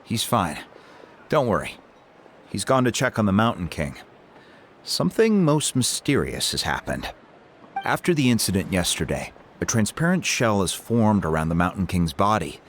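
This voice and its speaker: An actor playing a reassuring, thoughtful tribal chief in a video game, explaining things in a composed, formal way. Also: male voice, lowish voice, very animated, moderate pace, slight background noise. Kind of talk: video game character dialogue.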